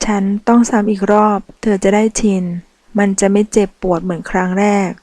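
A woman voicing a domineering young male mafia boss in an audiobook, speaking slowly and with command. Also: mid-range voice, fairly even intonation, darkish tone, no room sound, close to an everyday voice. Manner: slow, commanding and menacing.

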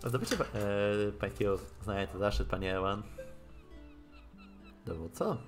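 A man with a fairly low, expressive voice streams a visual novel, reading its lines aloud haltingly. He mixes in offhand commentary while game music plays in the background.

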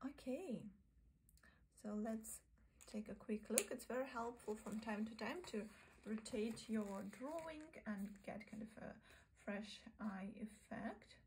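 A woman teaching a sketching lesson, narrating calmly and often half-whispering while she draws at a desk. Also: on the high side, takes it slowly, slight background noise, rough recording. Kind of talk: soft-spoken drawing tutorial. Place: indoors at a desk, overhead camera on the sketchbook.

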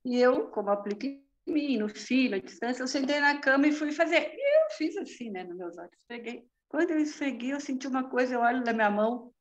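Woman, casual testimonial over a video call; chatty and quick to laugh, slightly muffled audio. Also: sits high, very animated. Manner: chatty, laughs often, frequent tag questions. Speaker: therapy practitioner giving a testimonial.

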